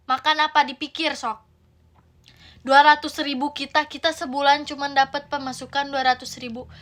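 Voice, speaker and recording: A woman with a Sundanese accent voicing a poor, indignant village mother nagging her child in drawn-out complaints. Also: high voice, pushed and bright, full character voice. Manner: exasperated, preachy, drawn-out nagging.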